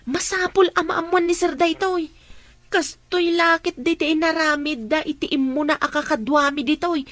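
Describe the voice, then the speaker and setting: Very high-voiced excitable older woman, acted. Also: moderate pace, no echo. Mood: alarmed, insistent. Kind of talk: Filipino radio drama acting in Ilocano.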